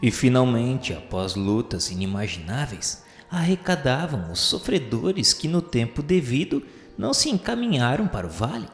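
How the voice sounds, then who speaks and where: Male narrator, lively pitch, long echoey reverb, faint music behind. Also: normal speed, hardly any pauses. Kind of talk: scripted narration of a radio novela.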